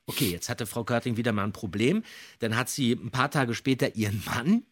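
A man co-hosting a podcast, telling a story in an animated way with dramatic emphasis and built-up suspense. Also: mid-range voice, brisk. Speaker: podcast co-host.

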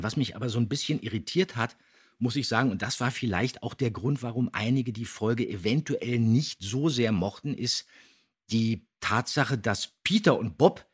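A man with a slightly husky voice, talking casually as a podcast co-host reviewing stories. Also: mid-range voice. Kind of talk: casual podcast review of an audio drama episode.

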